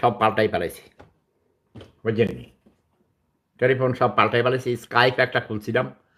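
Man with a medium pitch and monotone, flat intonation. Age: 60s. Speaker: online commentator. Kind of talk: video monologue rant.

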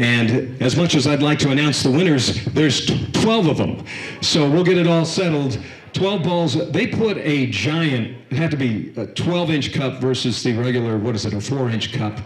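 Audible room echo colors this voice. A man is speaking at a moderate pace. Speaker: event host. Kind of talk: ceremony address to crowd. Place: open country. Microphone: handheld.

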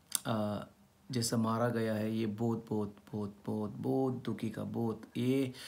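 Speaking very slowly, a man uses a medium pitch and fairly even intonation. His tone is dark and mellow. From India, Goa; India. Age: 50s. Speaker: pastor. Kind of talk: informal sermon / video talk. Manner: halting, repetitive. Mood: sorrowful, earnest. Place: home room. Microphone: phone near.

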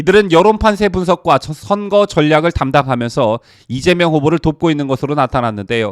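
At a moderate pace and fairly high pitch, a man speaks in a plain, everyday voice with lively intonation, the recording very clean with a silent background and a dry, close sound with no echo. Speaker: news anchor. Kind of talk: news reading. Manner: formal.

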